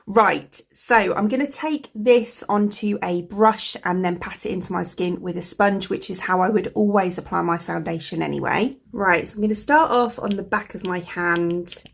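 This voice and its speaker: A woman with a croaky voice from a cold, chatting casually as a beauty vlogger, rambling with lots of fillers. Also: on the low side, moderate pace, few pauses. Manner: rambling, full of fillers like "like" and "you know". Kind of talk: chatty product review.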